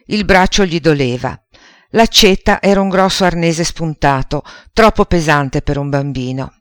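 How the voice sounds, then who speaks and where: A man narrating a children's story as an audiobook, in a steady storytelling manner. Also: on the high side, dry recording, clean studio sound.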